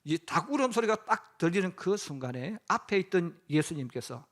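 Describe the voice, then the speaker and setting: High-voiced Korean pastor preaching. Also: male voice, big pitch swings, normal speed. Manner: acts out quoted lines in dramatic voices. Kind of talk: sermon.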